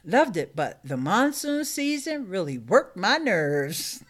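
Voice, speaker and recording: A woman's voice: medium pitch, big pitch swings, slow pace. A middle-aged woman hosting a casual live stream, chatting upbeat with her viewers and laughing often. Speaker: YouTube live stream host. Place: small room indoors.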